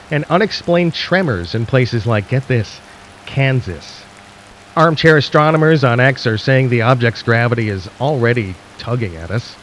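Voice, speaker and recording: A man plays a skeptical late-night radio host in a radio drama, mid-pitched and wry. He speaks to his listeners like a conspirator, uneasy and pausing for effect. A faint rain-like hiss sits behind him. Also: close to an everyday voice, low-quality recording. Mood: sardonic, worried. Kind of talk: radio drama broadcast monologue.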